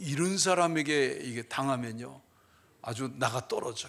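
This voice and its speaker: The intonation is lively. Room echo can be heard. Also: man. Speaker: pastor. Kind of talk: sermon. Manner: conversational, with fillers.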